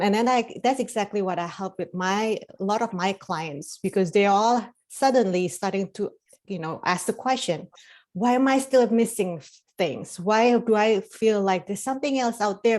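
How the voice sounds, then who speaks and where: A woman's voice: mid-range voice, darkish tone. A middle-aged woman from Indonesia, a life coach guest in a casual interview, talking in a rambling way with many fillers and restarts.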